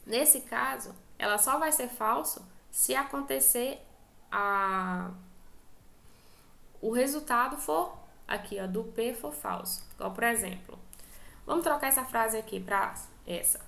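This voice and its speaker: A woman's voice: on the high side, animated, unhurried, gravelly, bright, forceful tone, echoey room. A woman teacher with a Brazilian Portuguese accent, giving an online class lecture and patiently explaining step by step while checking in with her students.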